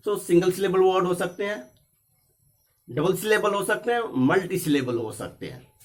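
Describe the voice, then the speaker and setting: In a high-pitched, expressive voice, a man teaches spoken English, going over each point in English before repeating it in Hindi. He delivers the English examples at a slow, deliberate pace.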